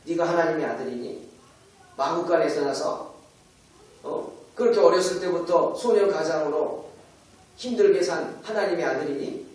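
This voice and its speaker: Man doing mocking devil, sneering taunts, higher voice, echoey far-off church sound. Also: moderate pace, darkish tone, natural voice. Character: mocking devil taunting Jesus, male, scornful.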